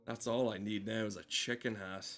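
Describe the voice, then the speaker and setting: A man's voice: on the low side, fairly even intonation, normal speed, fairly bright tone. A man streaming a game with casual, rambling commentary, sardonic and given to swearing.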